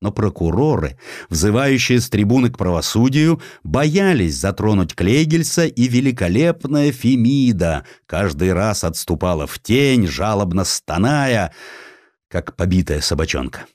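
Male narrator for historical prose: lowish voice, very varied delivery, wry and theatrical, close dry studio sound. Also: big pitch swings, unhurried, a little mellow, dry recording. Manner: wry, theatrical storytelling with acted quotes. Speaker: audiobook narrator. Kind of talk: expressive dramatized narration of historical sketches.

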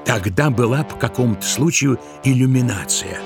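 A man narrating a literary tale as part of an audio drama, in an expressive, dramatic storytelling manner. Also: medium pitch, moderate pace, over music.

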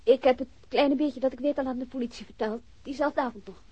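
A guarded female witness played by an actress in a radio play, with a high voice. She is hesitant, evasive and coolly polite, on a slightly muffled lo-fi recording. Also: steady tone, quick pace, slight background noise, close to an everyday voice. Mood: reluctant. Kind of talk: radio drama acting. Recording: dull lo-fi radio drama recording.

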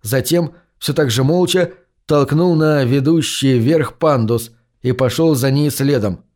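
A man narrating a science fiction story in a steady, measured reading. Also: mid-range voice. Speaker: audiobook reader. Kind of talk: scripted narration.

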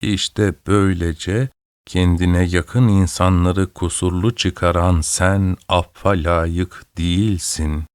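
A man voicing a stern, pious old woman who scolds and preaches slowly. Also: deep voice, fairly even intonation, clear, resonant tone, no echo, studio quality, pitched below the performer's own voice. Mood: lecturing. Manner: slow, scolding, sermonizing.

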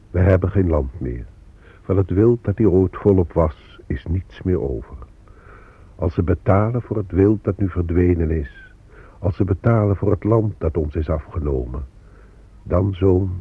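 A man in a radio drama playing a proud, hungry Native American father, grave and husky. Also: low voice, full character voice. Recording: narrowband, muffled old radio recording.

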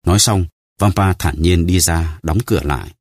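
A man narrating a novel as an audiobook in a steady storytelling manner. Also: low voice, normal speed, no echo, clean studio sound. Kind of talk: scripted narration.

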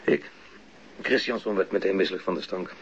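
An actor playing a plain-spoken, unsure policeman giving testimony in a radio drama, hesitant and matter-of-fact, with a husky, raspy voice. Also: sits low, a little fast, a little hiss or hum, lightly acted. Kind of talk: naturalistic radio drama dialogue. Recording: muffled radio drama recording.

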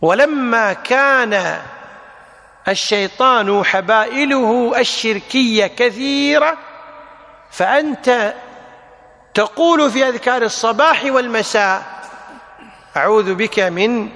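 A man teaching a religious lesson, explaining a text deliberately and repeating key phrases for emphasis. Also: extremely high pitch, sharp tone, in a large hall. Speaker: Islamic teacher.

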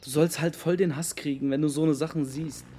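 A man's voice: on the high side, fairly even intonation, brisk, mellow, a little hiss or hum, close to an everyday voice. An actor playing a defensive young Muslim man, speaking slangy testimony in a naturalistic radio drama. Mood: earnest. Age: young adult. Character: defensive young Muslim friend of a missing teenager.

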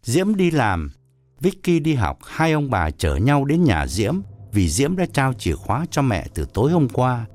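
A man narrating a story aloud in an expressive, lively storytelling manner. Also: medium pitch, a little slow, dry recording. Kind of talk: audiobook narration.

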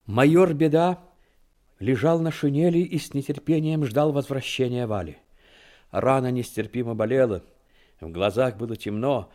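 A man's voice: medium pitch, warm tone. A man narrating a war story as a scripted audio drama, in a dramatic style.

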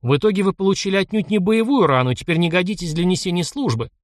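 A man's voice: high-pitched, quick pace, no echo, voice pushed up, lightly acted. A stern, commanding older male colonel in an audiobook, snapping out clipped orders in a firm voice, as a male narrator puts him on. The sound is dry, with no room around it. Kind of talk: audiobook character voicing.

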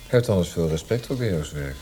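A man's voice: sits low, lively intonation, brisk, dark tone, faint music behind. An actor playing a disillusioned, reflective male poet with a dry irony, in naturalistic radio play dialogue. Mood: guarded, thoughtful. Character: disillusioned Austrian poet, thoughtful and wry husband.

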